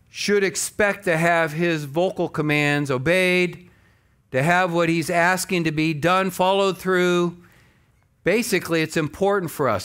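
A man's voice: on the high side, fairly bright tone, clear, resonant tone. An older American man preaching a sermon as a pastor, in a conversational, emphatic way. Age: older, about 60. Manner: conversational, emphatic, acts out imagined objections. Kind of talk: sermon with scripture reading. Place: church stage at a lectern.

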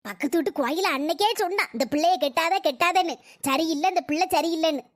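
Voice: extremely high pitch, quick pace, dry recording, clean studio sound. A performer playing a grumbling, self-pitying old mother-in-law who nags with sarcastic complaints, in a family quarrel skit. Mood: sarcastic scolding.

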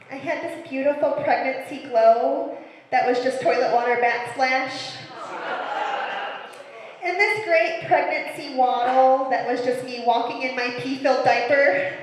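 A woman in her thirties delivers a stand-up set into a handheld mic, telling her stories in a dry, self-mocking way. Her voice sits high. The club room rings with heavy echo and a long reverb tail. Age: 30s. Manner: deadpan, self-mocking storytelling. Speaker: stand-up comedian. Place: comedy club stage.

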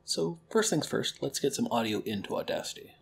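A young man talks through a software tutorial in a friendly, explanatory way. His voice sits at an ordinary middle pitch. A faint hiss sits under the recording from his home room. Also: lively intonation, fairly quick, gravelly. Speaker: library program host. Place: home kitchen-living room, indoors.

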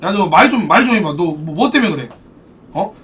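During his football card game stream, a high-voiced man talks somewhat quickly from far off the mic. He keeps up animated, profane banter with his chat and thanks donors along the way.

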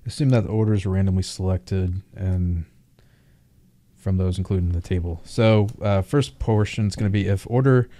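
A man tutoring informally through a worked math problem, thinking aloud in a halting way. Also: sits low, steady tone, mellow.

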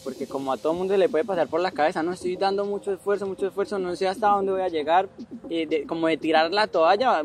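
A Colombian man in his twenties interviewing a guest on an outdoor park bench, asking long, rambling, teasing questions. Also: high-pitched. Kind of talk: casual sit-down interview.

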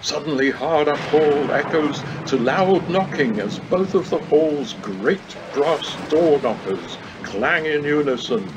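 A man's voice: on the high side, animated, takes it slowly, few pauses, background noise. A man reading scripted storytelling narration for an audio pantomime, recorded over a video call. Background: music.

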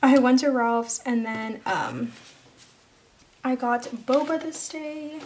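A young woman, a planner vlogger, chatting casually as she narrates her week, now and then dropping into soft whispers. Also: high-pitched, slow pace. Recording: background noise.

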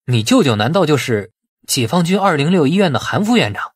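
A man's voice: fairly high pitch, very animated, brisk, breathy edge. A man voicing a blunt, shrewd, grumbling boss in an audiobook novel, talking colloquially. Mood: startled, probing.

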